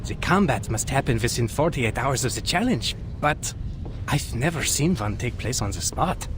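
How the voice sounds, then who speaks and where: A man's voice: medium pitch, animated, moderate pace, music in the background, close to an everyday voice. An actor playing a polite, formal male bystander who explains things deferentially, in video game style. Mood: informative, intrigued. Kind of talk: dramatic video game voice acting. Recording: noisy outdoor street ambience behind.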